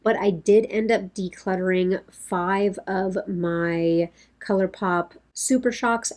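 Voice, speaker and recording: Casting: woman, 30s, lower pitch, a bit hoarse, chatty rambling vlogger at her desk. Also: a little mellow. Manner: rambling, talks with her hands. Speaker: beauty vlogger. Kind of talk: casual chatty talk to camera. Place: home makeup room, indoors.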